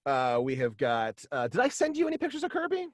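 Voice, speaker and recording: A man's voice: a little high, huge pitch swings, a little fast, no echo, studio quality. A man chatting casually as an interview guest on a home video call, talking in a hesitant but enthusiastic way. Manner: hesitant, enthusiastic, chuckles often. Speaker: guest, writer of a superhero radio play.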